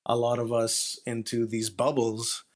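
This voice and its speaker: A man's voice: mid-range voice, completely flat delivery, a little slow. A man speaking as an interviewed writer in a casual, earnest, plain-spoken and matter-of-fact way.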